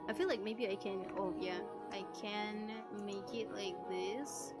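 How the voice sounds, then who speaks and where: A woman's voice: medium pitch, fairly even intonation, a little slow. A woman streamer chatting casually on a livestream, muttering to herself, exclaiming and slipping in Japanese phrases. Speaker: streamer voicing a visual novel. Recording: music behind the voice. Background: music.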